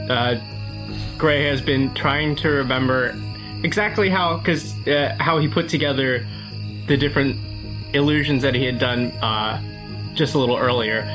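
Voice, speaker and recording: Male game player, casual and playful, halting delivery over background music. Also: medium pitch, low-quality recording. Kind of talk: casual game chat, describing his character's actions.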